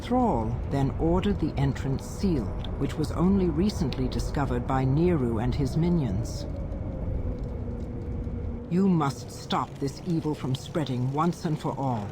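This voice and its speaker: A man's voice: mid-range voice, animated, measured pace, noisy background, lightly acted. A man playing a grave tribal shaman in a video game, solemn and explanatory in delivery. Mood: grave, urgent. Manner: solemn, expository. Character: grave tribal shaman mystic with dire warnings. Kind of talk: video game character acting.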